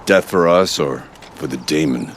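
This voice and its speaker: A man playing a weary, grave tribal chieftain in a video game, speaking in solemn, formal, measured phrases. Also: slight background noise. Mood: somber. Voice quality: deep gravelly voice. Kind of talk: video game dramatic acting.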